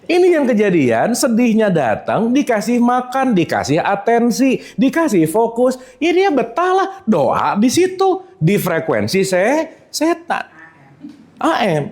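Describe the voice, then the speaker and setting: A religious teacher gives a relaxed spiritual lesson to a live audience. His voice swings widely up and down as he keeps tossing questions at them. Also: extremely high pitch, a little slow. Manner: lively, keeps quizzing the audience.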